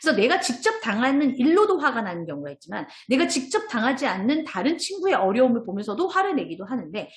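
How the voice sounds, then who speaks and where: Brief: high, lively female trainer lecturing teachers over a roomy video call. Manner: expressive, animated, acts out child voices. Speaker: early childhood curriculum trainer.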